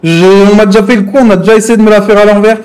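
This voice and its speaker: A man's voice: high voice, level tone, racing, darkish tone, faint music behind, lightly acted. A man playing an aggrieved, crude, threatening hostage-taker out for revenge in an improvised online game roleplay, swearing and repeating his verbal tics. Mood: wary, bargaining. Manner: verbal tic-laden, crude, ranting, swearing.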